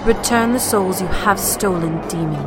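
A woman's voice: medium pitch, moderate pace, natural voice. Woman doing theatrical magician exorcist type, showy n unflappable, audio drama w music under it. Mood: commanding. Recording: music behind the voice.

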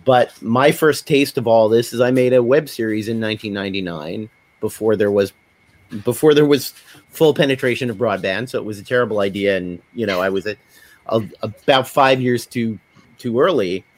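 A man's voice: lowish voice, normal speed. A middle-aged man telling anecdotes conversationally in a panel discussion, slipping into quoted dialogue as he goes. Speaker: podcast panelist, independent filmmaker.

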